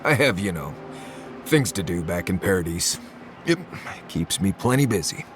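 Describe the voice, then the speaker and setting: An actor playing a suspicious, blunt wilderness guide in a video game, with dry, sardonic grumbling. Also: male voice, deep voice, expressive, moderate pace, background noise. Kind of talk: naturalistic video game dialogue.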